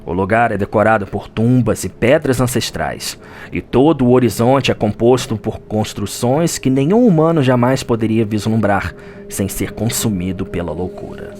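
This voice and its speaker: A man's voice: fairly low pitch, normal speed. A man with a Brazilian accent giving a solemn, dramatic scripted narration for an audio drama, like a chronicler telling a story. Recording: music under the voice. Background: background music.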